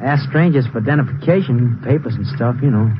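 A man's voice: mid-range voice, fairly quick, natural voice. An actor playing an eager, naive young country man with a bashful, folksy manner in a western radio drama. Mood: obliging, bashful. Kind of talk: 1950s western radio acting. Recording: muffled, noisy 1950s radio recording.

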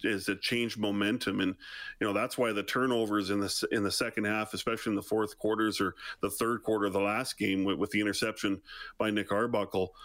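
A man working as a football colour commentator, giving conversational radio analysis in a deep voice. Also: fairly bright tone, no echo.

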